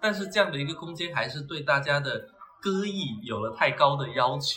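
With noticeable background noise and audible room echo, a man speaks at a moderate pace in a fairly high pitch. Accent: Chaoshan. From Chaoshan, Guangdong. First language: Teochew (speaking Chinese). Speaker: podcast co-host. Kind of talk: casual chat. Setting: bookstore.

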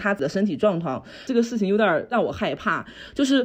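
Against a quiet background, a woman with a fairly high pitch speaks at a fairly quick pace with very wide pitch swings. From Shandong, China. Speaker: listener participant. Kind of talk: personal story. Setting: remote recording with headphones.

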